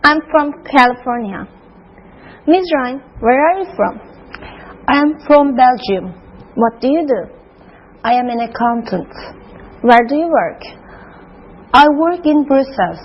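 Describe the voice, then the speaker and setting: A woman's voice: sits high, expressive, takes it slowly, long pauses, muffled recording. A woman assisting in an English class, giving short, careful answers in scripted dialogues. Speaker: class assistant playing learner roles.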